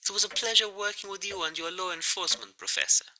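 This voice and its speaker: An actor playing a courteous, earnest Russian researcher in an audio drama, with formal, careful phrasing. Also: male voice, high voice, quick pace, pushed and bright, poor audio.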